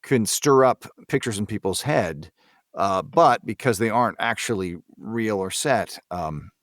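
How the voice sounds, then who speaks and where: A man's voice: on the low side, lively intonation, unhurried, no echo, clean studio sound. A man, a voice actor, chatting casually in a hesitant, meandering way. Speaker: voice actor on a discussion panel. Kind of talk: casual chat.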